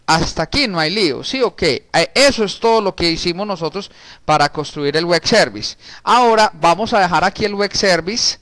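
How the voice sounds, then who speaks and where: Male instructor, 30s, easygoing classroom delivery, slightly high voice, clean dry close sound. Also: fairly bright tone, no echo. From Colombia. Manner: casual, talks while typing, frequent restarts and diminutives. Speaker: programming teacher. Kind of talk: recorded screen-share coding lesson.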